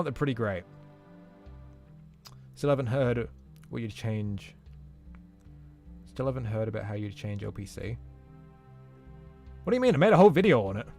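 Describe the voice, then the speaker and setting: A man with a medium-pitched, darkish voice live-streams a game. He chats casually and reads viewer comments aloud in a laid-back way.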